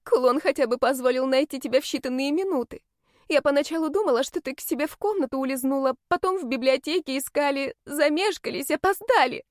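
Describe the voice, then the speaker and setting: A woman voicing a fierce young dragoness in an audiobook, shouting shrilly and close to tears. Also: high voice, measured pace, dry recording, pitched above the performer's own voice. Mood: distraught. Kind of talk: audiobook character voice.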